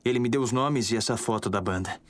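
A man's voice: medium pitch, fast, slight background noise, lightly acted. An actor playing a dutiful, formal 1940s Brazilian policeman in a noir audio drama. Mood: reporting.

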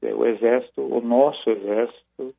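A Brazilian man analyses military matters over a tinny phone line. His voice is gravelly and dry, and he speaks in a measured, halting way with frequent restarts. It sounds like a phone-in segment on a news program. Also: medium pitch, steady tone, no echo. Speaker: commentator on military affairs.

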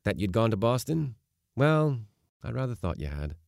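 A man voicing a gentle, kindly middle-aged father in an audiobook story, quiet, understated and reassuring. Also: mid-range voice, big pitch swings, normal speed, gravelly, no echo, studio quality, pitched above the performer's own voice.

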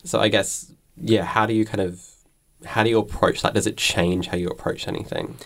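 A man's voice: on the low side, fairly even intonation, fairly quick, a bit bright. A man working as an interviewer, asking casual, roundabout questions in a tentative, hedging way.

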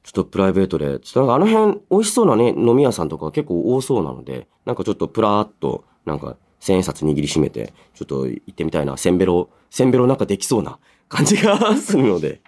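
A man's voice: sits low, huge pitch swings, quick pace, few pauses. A man hosting a radio show, moving between casual chat and announcements in a polite, chatty way. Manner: polite, chatty, frequent soft "ne" tags. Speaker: radio show host and voice actor.

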